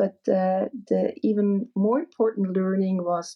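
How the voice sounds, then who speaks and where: A woman with a Swiss accent speaks at a fairly slow pace, with medium pitch and ordinary pitch variation. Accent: non-Italian foreign accent, Swiss. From Switzerland, Zurich. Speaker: winery owner. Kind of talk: interview. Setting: live online audio room. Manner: hesitant with fillers.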